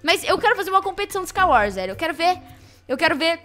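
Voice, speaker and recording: A young woman, doing excitable, mock-boastful gameplay commentary. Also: extremely high pitch, rapid-fire, faint music behind. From Brazil. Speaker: gaming channel host. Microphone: desktop studio microphone.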